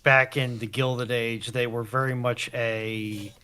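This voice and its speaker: A man's voice: medium pitch, flat delivery, takes it slowly, background noise. A man speaking as a panelist in an informal discussion, adding comments and clarifications.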